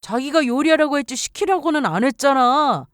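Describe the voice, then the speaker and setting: A sulky young husband, as a woman narrator plays him, whining and defensive, with a fairly high, animated voice. It's recorded dry and close. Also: fairly quick, no echo. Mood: complaining.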